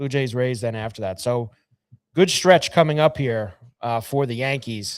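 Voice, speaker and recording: An unremarkable speaking voice from a man at medium pitch, moderate pace and ordinary pitch variation. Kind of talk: live sports talk radio banter.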